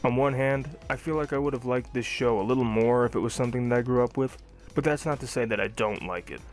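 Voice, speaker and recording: A man's voice: mid-range voice, fast, faint music behind. A young adult man narrating a scripted cartoon review.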